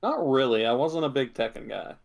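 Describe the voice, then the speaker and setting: A man's voice: medium pitch, expressive, brisk, creaky. A man co-hosting a podcast in casual chat, laid-back and a little hesitant. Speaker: podcast co-host.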